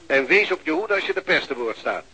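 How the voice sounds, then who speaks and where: Radio play casting: pressing, admonishing police superior, slightly high, raspy and forceful. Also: male voice, very animated, a little fast, full character voice, rough recording. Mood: urgent, stern. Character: pressing, authoritative male police superior, anxious about press. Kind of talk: Dutch radio drama acting.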